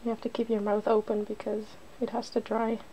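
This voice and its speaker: A woman's voice: on the high side, completely flat delivery, a little fast, mellow, slight background noise, rough recording. A woman hosting a casual ASMR makeup demonstration, chatty and giggly, drifting into whispers. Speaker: ASMR video host.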